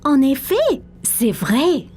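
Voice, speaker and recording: A patient cartoon mom. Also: female voice, high voice, huge pitch swings, slow pace, a little mellow, heavily acted. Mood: reassuring. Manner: patient and reassuring. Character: calm caring young mother.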